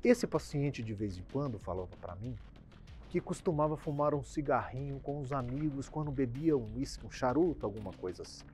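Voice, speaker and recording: A Brazilian man, a doctor, explaining habits in an emphatic talk that swings from loud bursts to quiet endings. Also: medium pitch, lively intonation, a little fast. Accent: Brazilian Portuguese.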